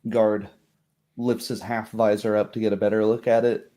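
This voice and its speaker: A man running a tabletop roleplaying game, describing scenes in a halting, improvised way. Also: fairly low pitch, level tone, warm tone. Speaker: game master.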